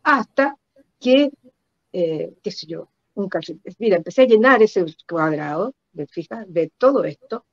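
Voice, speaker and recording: An older woman with a Chilean accent recounts personal stories reflectively in an interview, halting and repeating words for emphasis over a video call. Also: medium pitch, expressive, dry recording. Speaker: guest performance artist. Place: indoor room at home. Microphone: computer mic on a video call. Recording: dull lo-fi video call audio.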